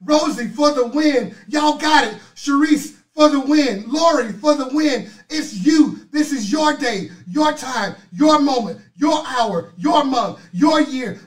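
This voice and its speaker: A middle-aged man with a hoarse voice hosting a motivational livestream, loudly rousing viewers and calling out their names. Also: extremely high pitch, slow pace, few pauses. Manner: loud, rousing, chanting names. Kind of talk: energetic motivational pep talk. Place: indoors at a desk, virtual city background. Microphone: webcam on a video stream. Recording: echoey, distant mic.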